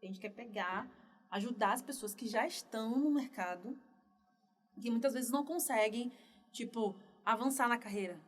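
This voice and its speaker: A woman from Northeast Brazil, a developer guest telling her career story in a relaxed, chatty interview. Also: a little high, normal speed. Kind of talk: casual podcast interview.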